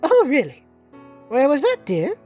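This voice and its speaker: Woman putting on a haughty posh young lady, high-pitched. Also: wildly swooping pitch, measured pace, darkish tone, faint music behind, heavily acted. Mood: polite, curious. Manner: prim, imperious, old-fashioned genteel phrasing. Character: haughty young lady super heavy tank, posh and indignant.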